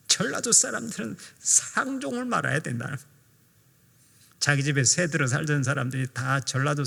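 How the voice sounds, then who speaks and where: Older male pastor, somewhat high and gravelly voice, earnest sermon in a reverberant church hall. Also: a bit bright. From Jeolla, South Korea. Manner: earnest preaching, acts out quoted speech. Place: church sanctuary.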